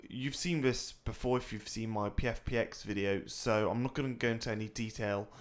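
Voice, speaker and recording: A man's voice: fairly low pitch, fairly even intonation, brisk. A young man co-hosting a flight-sim tutorial, chatting casually and rambling with many fillers and restarts. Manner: rambling, filler-heavy, hesitant.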